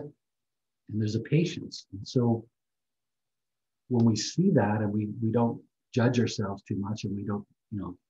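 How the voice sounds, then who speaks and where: An older man giving a reflective talk on a video call, speaking softly and gently. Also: lowish voice, lo-fi sound. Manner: soft-spoken, slow and gentle. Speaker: guest speaker.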